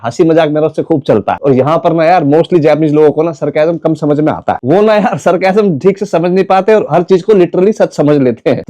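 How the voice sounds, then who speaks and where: A man's voice: fairly high pitch, dark tone, no echo. Brief: Haryanvi guy vlogging, easygoing and jokey, slightly raised voice, chuckles between bits. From Haryana, India. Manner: chatty and joking, laughs between lines. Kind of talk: casual storytelling vlog.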